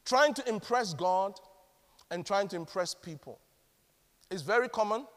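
A man with a Ghanaian accent preaching a sermon in a dramatic, animated way. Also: sits high, measured pace, big-room sound. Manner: dramatic, animated, mimics other pray-ers.

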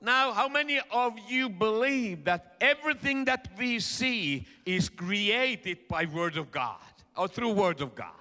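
A middle-aged man with a Finnish accent preaches in English, his voice high and bright. He is earnest and halting, with plenty of "uh"s. His voice rings out in an echoey hall. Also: lively intonation. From Finland. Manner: earnest, halting with frequent fillers. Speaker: preacher and interpreter. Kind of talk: sermon.

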